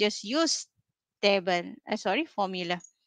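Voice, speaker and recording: A woman speaks at a fairly slow pace with a bright, sharp tone and very wide pitch swings, recorded dry and close with no echo against a quiet background. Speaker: lecturer. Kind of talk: online class lecture.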